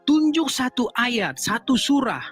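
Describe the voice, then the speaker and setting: A man's voice: very high-pitched, very animated, unhurried, a bit bright, slightly rough, faint music behind. A man hosting a heated religious debate, insistent and repetitive, sometimes exasperated. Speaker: channel host debating a caller.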